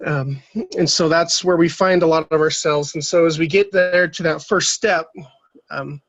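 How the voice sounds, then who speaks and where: Slightly raspy man giving a halting pep talk. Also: fairly high pitch, fairly even intonation, fairly bright tone, dry recording, muffled recording. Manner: halting, many fillers and restarts. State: getting over a cold, slightly raspy. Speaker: team trainer. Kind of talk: motivational training talk.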